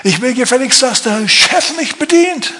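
A man's voice: very high-pitched, expressive, moderate pace, sharp tone, voice pushed up, heavily acted. Man doing a whiny entitled churchgoer. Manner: complaining, demanding.

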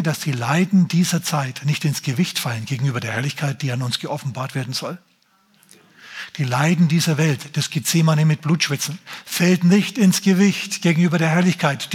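A man preaching a sermon, talking emphatically with drawn-out phrases and addressing the congregation directly. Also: a little high, slightly rough. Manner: emphatic, drawn-out phrases, shouts in mock drill voice.

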